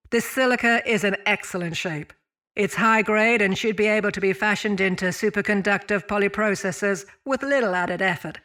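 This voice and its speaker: An actress playing a brisk female mining chief and officer on a spaceship, giving formal log reports in a sci-fi audio drama. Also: medium pitch, a bit bright, natural voice. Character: brisk woman mining chief turned acting captain of spaceship. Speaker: voice actor.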